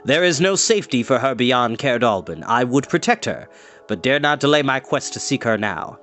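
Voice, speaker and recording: A man's voice: mid-range voice, animated, moderate pace, a bit bright, close to an everyday voice. A man voicing a grim, resolute prince in a fantasy story, urgent and earnest. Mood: grim urgency. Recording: music playing in the background.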